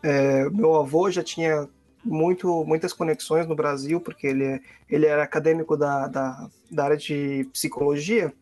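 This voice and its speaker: Man from cuba, interview guest, relaxed friendly tone, higher-pitched voice, restarts phrases. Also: normal speed, faint music behind. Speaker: guest, international relations professor. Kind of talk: conversational interview answers.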